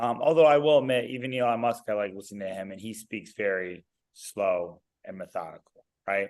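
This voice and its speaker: Energetic in tone, the speech moves at a fairly quick pace with big swings in loudness and ordinary pitch variation. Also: man, fairly low pitch for a man. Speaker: podcast co-host. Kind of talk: casual chat. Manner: fast.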